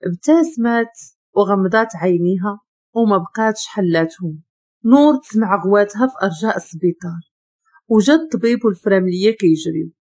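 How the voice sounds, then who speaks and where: Woman, Moroccan accent, story narrator, calm and steady, husky, mellow. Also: mid-range voice.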